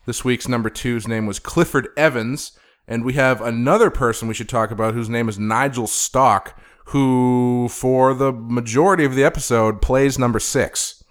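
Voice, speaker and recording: A man's voice: mid-range voice, normal speed. A man hosting a podcast in a studio, chatting casually and rambling with fillers. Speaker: podcast host. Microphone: studio microphone.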